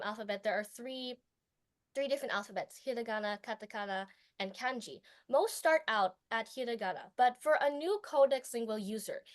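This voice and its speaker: A young teenage girl with a fairly high voice speaks to a competition panel. She recites her prepared pitch, then fields questions with earnest pauses and fillers. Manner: delivers a memorized pitch, then answers judges with hesitant fillers. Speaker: student presenter.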